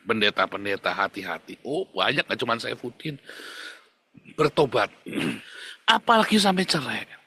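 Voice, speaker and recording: Bright-voiced preaching man. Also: animated, moderate pace, pauses often, breathy edge. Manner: emphatic preaching, rising to loud outbursts and dropping low; addresses listeners as "saudara". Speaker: pastor. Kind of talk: sermon.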